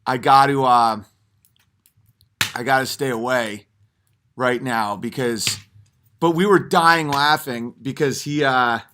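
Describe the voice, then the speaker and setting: A man's voice: medium pitch, slow pace, long pauses, slight background noise. A man hosting his own stream, telling digressive stories in a rambling, off-the-cuff monologue full of fillers and restarts. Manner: animated, jumps into mock voices for punchlines.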